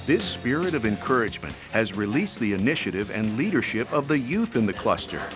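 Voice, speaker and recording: A man's voice: on the low side, sing-song, a little fast. A man reading scripted documentary narration for a newsreel. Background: background music.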